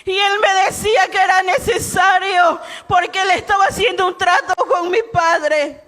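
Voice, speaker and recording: A woman giving a fervent Christian testimony in a preaching style, shouting much of it and calling her listeners brother. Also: very high voice, fairly even intonation, moderate pace.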